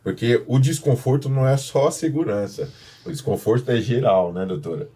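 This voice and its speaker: A man's voice: mid-range voice, a little fast, dark tone, slightly rough. A man with a São Paulo Brazilian accent presenting a podcast conversationally, speaking informally to viewers and often repeating himself. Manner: informal, repetitive, addresses viewers directly. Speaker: podcast host, professional condominium manager.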